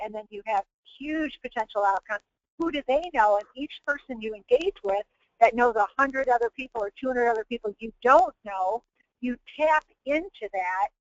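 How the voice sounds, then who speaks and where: Higher-voiced woman coach, dull lo-fi audio. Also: no echo. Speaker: webinar host and business coach. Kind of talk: coaching talk in a webinar.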